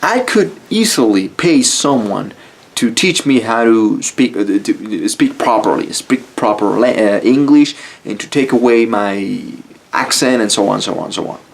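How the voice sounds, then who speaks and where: A man's voice: on the low side, animated, a little slow, creaky. A man from Mexico with a Mexican Spanish accent, speaking English as a second language, giving a blunt, casual motivational talk to camera and swearing freely. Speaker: YouTube style coach.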